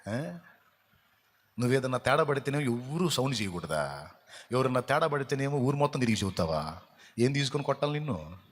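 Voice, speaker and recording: A man's voice: mid-range voice, big pitch swings, brisk, long pauses. Male pastor, mid-range voice, fervent scolding sermon delivery; long hall reverb on the recording. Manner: dramatic and scolding, with rhetorical questions and sudden loud peaks. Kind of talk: fasting prayer sermon. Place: church hall.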